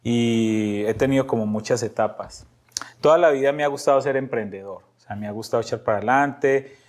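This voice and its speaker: A man's voice: mid-range voice, brisk, darkish tone. A middle-aged man from Medellín with a Colombian Paisa accent, a pastor telling stories of his life in an interview, laughing often and repeating his words. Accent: Colombian Paisa (Antioquia). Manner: laughs often, repeats himself, tells stories with voiced quotes. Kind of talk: relaxed storytelling interview.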